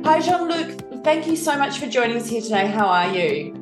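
A woman, a business coach, hosting a podcast and introducing her guest with an upbeat, animated manner. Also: on the high side, normal speed. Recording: roomy with music behind.

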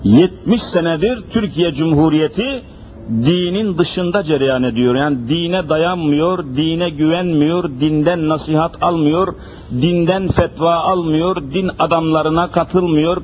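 A man's voice: fairly high pitch, a little slow. A man preaching an emphatic sermon at a pulpit microphone, pressing rhetorical questions and repeating phrases insistently. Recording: dull lo-fi recording with faint noise.

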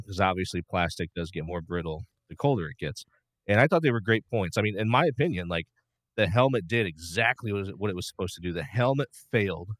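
A man co-hosting a sports talk show, giving animated opinions in casual chat with plenty of fillers and restarts. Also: sits low, no room sound.

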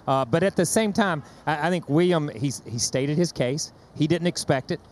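A man's voice: a little high, moderate pace, a little mellow, slight background noise. A man working as a racing analyst, talking animatedly and often repeating words as he starts a thought. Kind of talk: studio commentary panel.

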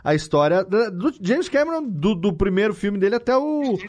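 A man's voice: sits high, very animated, moderate pace, darkish tone. A Brazilian man hosting a conversational podcast interview, speaking in an emphatic, colloquial way. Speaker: podcast host.

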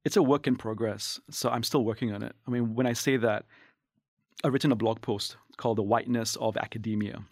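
A man's voice: medium pitch, fairly even intonation, no room sound. Thoughtful man from Singapore, dry studio sound. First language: English. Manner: thoughtful, measured, with restarts. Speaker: guest, anthropologist. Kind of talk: reflective interview talk.

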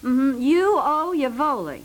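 An actress playing a brisk, kindly family friend in a 1950s radio comedy. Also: female voice, sits high, sing-song. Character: brisk, kindly woman friend passing on messages. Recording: vintage 1950s radio recording.

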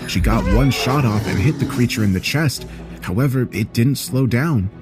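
A man reading a scripted horror story in a measured, serious way, as a storyteller. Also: mid-range voice. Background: background music.

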